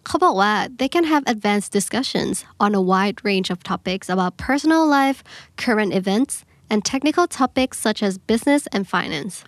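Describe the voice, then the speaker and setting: A woman's voice: medium pitch, animated, very slow, dry recording. A woman co-hosting a podcast, reading definitions aloud and chiming in with agreement. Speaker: podcast co-host. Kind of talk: casual chat, short affirmations.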